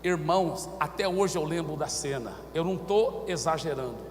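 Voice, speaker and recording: A man preaching a sermon as pastor, swinging from shouted exhortation to hushed storytelling. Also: fairly high pitch, moderate pace, in a large hall, a little hiss or hum. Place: church.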